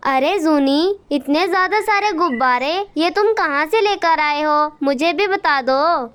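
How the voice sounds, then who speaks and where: A woman's voice: high voice, unhurried, a bit bright, slight background noise. A woman voicing a greedy, bossy crow boy in a cartoon, taunting and demanding.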